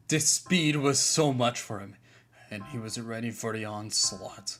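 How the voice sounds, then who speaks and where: Slow-reading man over guitar music. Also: lowish voice. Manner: slow, measured storytelling. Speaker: streamer and artist. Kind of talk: reading a horror fan story aloud.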